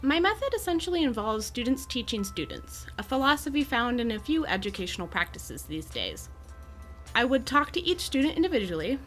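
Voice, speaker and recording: A woman's voice: a little high, a bit bright. A woman playing an amiable, poised Gorgon educator in an audio drama, with articulate, genteel and reassuring phrasing.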